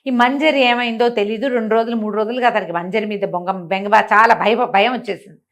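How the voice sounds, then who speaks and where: An older woman telling a traditional story in a chatty, animated way, adding her own comments. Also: fairly high pitch, fast. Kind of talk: oral storytelling with asides.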